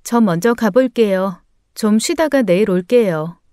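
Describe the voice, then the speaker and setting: A chillingly cold sister-in-law, put on by a woman in a story radio drama, speaking low and flat. Her tone is mellow and smooth, recorded close with no room sound. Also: measured pace, no echo, lightly acted.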